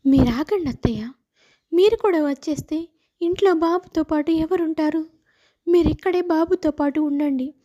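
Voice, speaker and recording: A woman's voice: high-pitched, normal speed, dark tone, highs cut off, lightly acted. A woman voicing a worried young wife and daughter-in-law, pleading and tearful. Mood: gentle.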